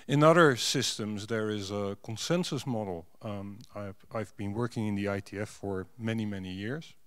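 A man's voice: lowish voice, moderate pace, fairly bright tone. A middle-aged man, not a native English speaker, speaking as a panelist at a conference with many fillers and restarts into a handheld mic. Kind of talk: panel discussion. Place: conference stage. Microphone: handheld microphone.

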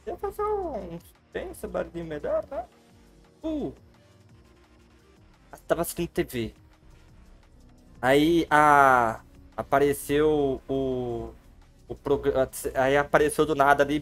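A game streamer with a Brazilian Portuguese accent jokes his way through gameplay on a livestream, chatting with his viewers. His voice sits on the high side and sounds animated, though he speaks slowly with long pauses over soft background music.

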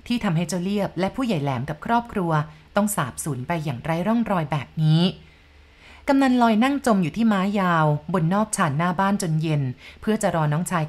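A woman narrating a ghost story in a steady, measured reading voice. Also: fairly low pitch.

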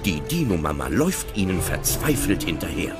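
Lively, low-voiced male storyteller. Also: moderate pace, over loud music. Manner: storytelling, animated. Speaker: narrator. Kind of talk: audio-play narration.

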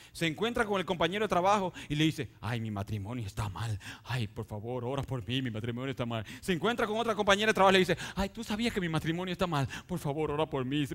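Male pastor, bright high voice; call-and-response sermon that builds from hushed to loud. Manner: builds from soft asides to loud preaching, call-and-response questions.

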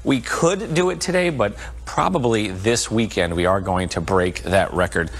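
A man presenting a TV weather forecast, relaxed and joking with the crew as he goes. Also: on the low side, normal speed.

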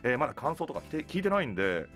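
A man's voice: medium pitch, big pitch swings, very fast, fairly bright tone, faint music behind. A man hosting an upbeat radio talk show from a studio. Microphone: studio boom microphone.

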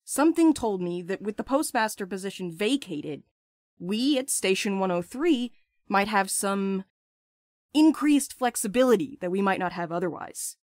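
A woman's voice: medium pitch, lively intonation, moderate pace, darkish tone, no echo, clean studio sound, close to an everyday voice. An actress playing a brash, impulsive young woman with crude, sarcastic banter in an audio drama. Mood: urgent. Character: brash, playful, impulsive young postal worker friend.

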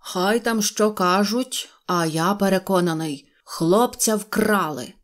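A suspicious male toy general barks slow, heavy orders and sees enemies everywhere, as a woman puts him on. His voice is raised and emphatic, a storybook commander of tin soldiers. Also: medium pitch, natural voice. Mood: commanding.

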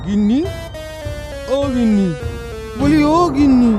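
A man's voice: very high-pitched, slow pace. A man voicing a witty, cheeky court jester in a cartoon, who can be bossy. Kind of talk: cartoon voice acting. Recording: music behind the voice.

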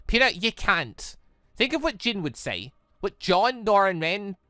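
A woman's voice: medium pitch, big pitch swings, measured pace, pushed and bright, no room sound, clean studio sound, voice pushed up. A woman voicing a fiery, scolding female character in a visual novel, urgent and exclamatory. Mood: pleading.

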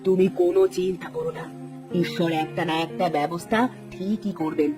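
A woman voicing a gentle caring wife. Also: fairly low pitch, steady tone, fairly quick, over music, lightly acted. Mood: reassuring. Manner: gentle, reassuring. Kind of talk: dubbed cartoon acting.

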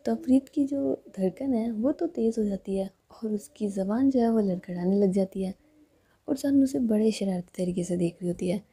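A woman tells a love story in a soft, often whispered delivery. Her voice is very dark and mellow, with a husky grain to it. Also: medium pitch, normal speed.

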